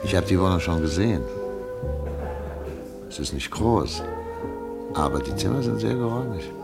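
Earnest doctor, very deep voice. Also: male voice, lively intonation, normal speed, vocal fry, over loud music. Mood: hopeful, tender. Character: hopeful, earnest exiled German doctor, devoted middle-aged husband. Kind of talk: radio play acting.

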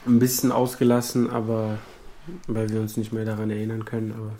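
A man's voice: lowish voice, little pitch movement, a little fast, warm tone, slight background noise. A man talking casually as he helps retell a story, chiming in and confirming. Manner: chiming in, repeating words to confirm.

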